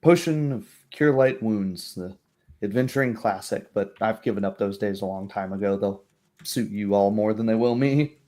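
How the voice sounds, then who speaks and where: A man's voice: lowish voice, normal speed, mellow, natural voice. A man voicing a bookish woman, a helpful retired adventurer and herbalist in a tabletop game, hesitant and thinking aloud. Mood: generous, wry.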